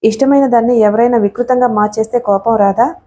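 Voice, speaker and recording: A woman's voice: on the high side, fairly even intonation, brisk, warm tone, lightly acted. A woman voicing a moody, lovesick young female student who answers curtly and irritably. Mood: irritable. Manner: curt, irritable replies.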